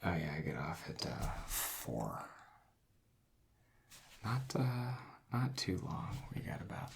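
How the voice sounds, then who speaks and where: Hushed, very creaky low male ASMR voice. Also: sing-song, a little hiss or hum. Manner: hushed, unhurried rambling, drifting into whisper. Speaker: ASMR creator playing a casino dealer. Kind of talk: soft-spoken ASMR roleplay.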